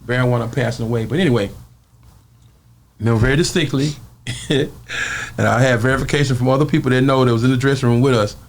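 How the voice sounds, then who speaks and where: A man from Arkansas in the American South, speaking with a Southern Black accent, tells a story casually as an interview guest and acts out what people said. His voice is medium-pitched and steady, and he talks fast but pauses often.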